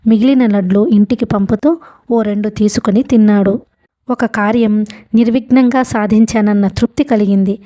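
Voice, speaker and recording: A woman reading a novel aloud as an audiobook narrator, lifting her voice slightly for the characters' dialogue. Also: warm tone. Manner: reads all characters with small pitch lifts for dialogue.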